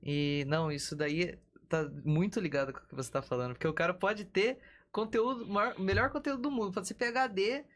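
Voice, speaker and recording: Relaxed podcast host, mid-pitched voice. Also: fairly quick, hardly any pauses. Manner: relaxed, agreeing interjections. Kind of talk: casual podcast chat.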